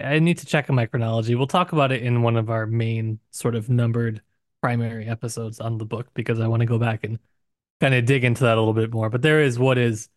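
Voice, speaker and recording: A man's voice: mid-range voice, no echo, studio quality. A man co-hosting a podcast book discussion, talking in an earnest, explanatory way. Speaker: podcast co-host.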